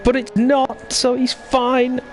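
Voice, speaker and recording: A man's voice: very high voice, completely flat delivery, takes it slowly, soft background music. A man hosting live esports racing commentary in a chatty, conversational way, bantering with his co-commentator. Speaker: sim racing commentator and host.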